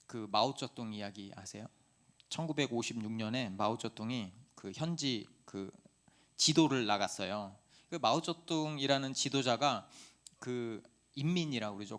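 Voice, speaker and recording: Middle-aged male pastor, conversational sermon delivery, lively rhetorical questions, mid-range voice. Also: mid-range voice.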